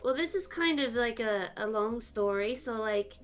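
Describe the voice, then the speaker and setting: A woman VTuber being interviewed, talking casually and haltingly with lots of fillers. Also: a little high, expressive, soft background music. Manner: rambling, halting, many fillers. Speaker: VTuber guest.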